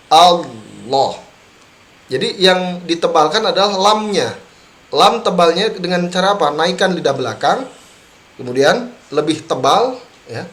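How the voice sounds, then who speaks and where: A man teaching Quran recitation in an online tajwid lesson, repeating sounds slowly to demonstrate them. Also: fairly high pitch, fairly bright tone. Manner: drawn-out slow demonstration syllables between explanations.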